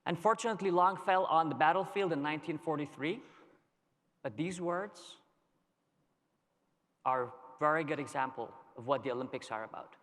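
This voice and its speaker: A man from Lebanon giving a conference keynote, telling a story in a measured way with dramatic pauses. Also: fairly high pitch, fairly bright tone. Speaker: keynote speaker. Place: large conference hall. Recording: long reverb of a large hall.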